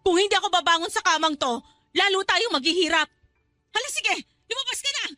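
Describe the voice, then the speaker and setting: A woman's voice: extremely high pitch, animated, fairly quick, bright, forceful tone, dry recording, full character voice. An actress playing a weary, manipulative middle-aged mother in a Tagalog radio drama, pleading and laying on guilt. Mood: bitter, guilt-tripping. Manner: guilt-tripping, emotional. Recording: background music under dialogue.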